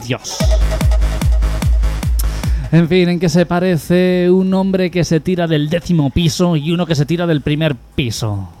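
A man's voice: fairly high pitch, measured pace, warm tone, faint music behind. Man telling groan-worthy radio jokes. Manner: tells jokes with repetition gags, groans at bad puns. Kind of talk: joke-telling on community radio. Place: radio studio.

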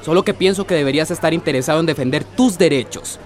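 A man's voice: fairly high pitch, quick pace, faint music behind, close to an everyday voice. A man playing an earnest young activist. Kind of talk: radio drama acting.

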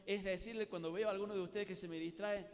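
A man with a Córdoba Argentine accent gives a lively retreat sermon to young people. He talks like an animated showman and acts out scenes in a high voice. His words ring out with a long reverb in a large hall. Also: quick pace. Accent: Córdoba Argentine Spanish. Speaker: Catholic youth preacher.

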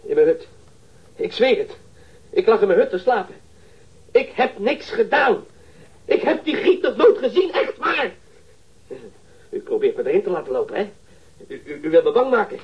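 An actor playing a frightened, coarse ship's stoker under questioning in a radio crime drama, stammering and protesting. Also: male voice, sits high, very animated, moderate pace, long pauses, breathy edge, full character voice. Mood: panicked, indignant. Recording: dull, muffled radio drama recording.

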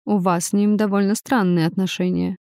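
Storybook part: a woman voicing a blunt, smirking man with clipped replies; warm, mellow tone. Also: medium pitch, flat delivery, fairly quick, creaky, no echo, natural voice. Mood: questioning. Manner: curt, dry replies.

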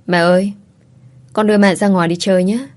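A woman voicing a young female student, a devoted, tearful daughter who speaks softly and hesitantly. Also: medium pitch, fairly even intonation, fairly quick, natural voice. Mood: tender.

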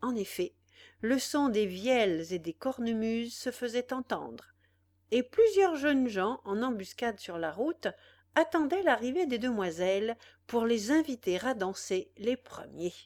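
Woman narrator, classic novel, unhurried and fairly high-voiced. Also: expressive, darkish tone. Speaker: audiobook reader.

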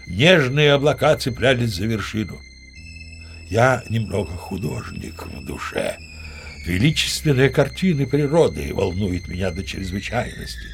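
Brief: male actor as pompous old sea captain storyteller, gravelly mid-pitched voice, grand expressive delivery, audio drama. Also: close to an everyday voice. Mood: grandiloquent. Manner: grandiloquent, expressive yarn-spinning. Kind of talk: theatrical audio play storytelling.

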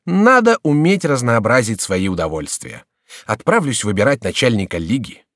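A man's voice: mid-range voice, big pitch swings, fairly bright tone, no room sound, studio quality. A man voicing a sly, mocking male court jester in a storybook reading. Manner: sarcastic, quick-witted.

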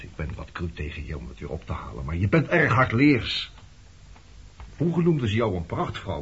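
An actor playing a brooding former resistance man turned skipper, probing and bitter with an old lover in a radio play. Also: low voice. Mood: wistful. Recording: dull, noisy old radio play recording.

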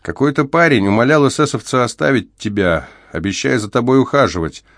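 A man voicing a kind, gentle older male prisoner who looks after a sick young man, speaking in a reassuring way in an audiobook. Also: medium pitch, animated, fairly quick, no room sound, studio quality, pitched above the performer's own voice. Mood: caring. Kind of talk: audiobook character voice.

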